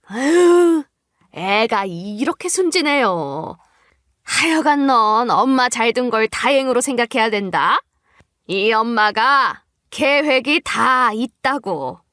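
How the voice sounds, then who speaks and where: A woman voicing a scheming, scornful older mother-in-law in a dramatized story, nagging with drawn-out emphasis. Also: fairly high pitch, animated, fairly bright tone, no echo, clean studio sound. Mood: sly, conspiring.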